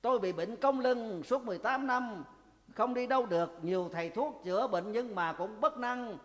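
A man's voice: sits high, normal speed, lightly acted. A preacher voicing an old woman bent by long illness, asking in a trembling, questioning voice. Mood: pleading. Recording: long reverb of a church hall.

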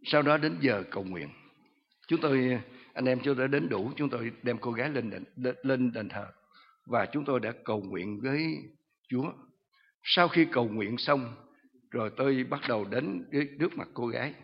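Earnest pastor telling a story. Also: male voice, mid-range voice, moderate pace, husky, in a large hall, dull audio. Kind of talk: sermon testimony.

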